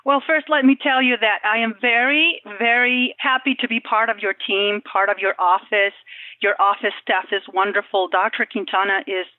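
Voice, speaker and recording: A woman's voice: mid-range voice, fairly even intonation, normal speed, dry recording. A woman guest who works as a dental billing specialist, talking in a friendly, chatty way with fillers over the phone. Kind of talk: casual interview podcast. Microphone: telephone. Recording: tinny phone line.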